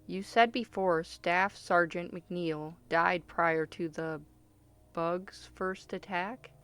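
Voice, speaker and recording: Crisp, formal female military doctor acted. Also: lowish voice, fairly even intonation, slow pace, fairly bright tone. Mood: clinical, composed. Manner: formal, clipped, authoritative. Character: controlled, clinical female military doctor interviewing a patient. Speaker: voice actor. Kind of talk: radio play acting.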